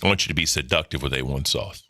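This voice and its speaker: A deep-voiced man in his thirties hosting a livestream, talking casually in a blunt, profane, rambling way. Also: fast, pushed and bright. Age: 30s. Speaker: livestream host. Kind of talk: casual chat.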